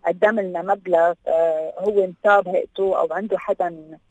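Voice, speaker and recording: A woman's voice: on the low side, steady tone, fairly quick, darkish tone, no room sound, lo-fi sound. A woman with a Lebanese Levantine Arabic accent explaining things as an interview guest, dropping in English words. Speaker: guest, health awareness association representative. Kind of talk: radio interview, explanatory talk.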